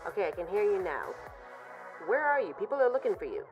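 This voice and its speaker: A woman playing a caring, worried best friend in an audio roleplay, speaking in an earnest, soothing, gently insistent way. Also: mid-range voice, sing-song, quick pace, lo-fi sound, music in the background, lightly acted. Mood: calling out, concerned. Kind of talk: roleplay audio drama monologue, intimate comforting.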